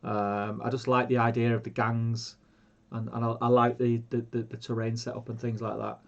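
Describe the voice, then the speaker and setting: A man's voice: mid-range voice, level tone, normal speed, creaky, highs cut off. Bunged-up man, hesitant. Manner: hesitant, many restarts. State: congested, bunged up. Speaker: co-host. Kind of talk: casual livestream chat.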